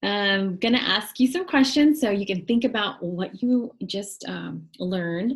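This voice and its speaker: Her delivery is fairly slow, with lively intonation. The woman's voice is somewhat breathy. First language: Spanish. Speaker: teaching artist. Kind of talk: tutorial for children.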